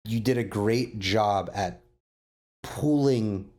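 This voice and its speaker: A man's voice: lowish voice, takes it slowly, a little mellow. A man hosting a roundtable interview, effusive and enthusiastic, repeating words as he searches for the next one. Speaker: podcast host interviewing creators.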